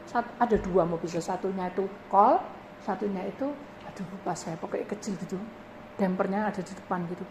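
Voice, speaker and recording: Woman pastor, animated sermon. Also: medium pitch. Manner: animated storytelling, acting out voices in dialogue. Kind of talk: sermon testimony. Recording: noisy live recording.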